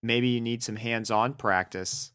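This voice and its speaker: Man acting a slow-spoken, caring young man. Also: medium pitch, steady tone, a bit bright, smooth, no echo, studio quality, close to an everyday voice. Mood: reassuring. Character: caring, patient young man, steady and reassuring. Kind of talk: fan fiction audio drama dialogue.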